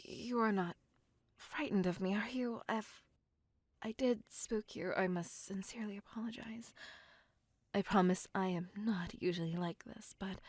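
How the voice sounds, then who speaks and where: A genteel, possessive ancient vampire woman, voiced by a woman, whispers slowly and intimately right against a close ASMR mic. Her hushed voice is gravelly and breathy. She speaks in formal, old-fashioned phrases and pleads softly. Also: medium pitch, dry recording. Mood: yearning. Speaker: voice actor. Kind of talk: ASMR roleplay. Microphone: close ASMR microphone.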